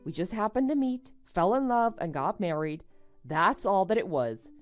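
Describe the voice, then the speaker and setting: Casting: actress as betrayed young wife in animated melodrama, sensible and firm, medium pitch with very varied intonation. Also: female voice, moderate pace, soft background music, natural voice. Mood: matter-of-fact. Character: indignant, level-headed young married woman, betrayed friend. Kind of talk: melodramatic animated-story voice acting.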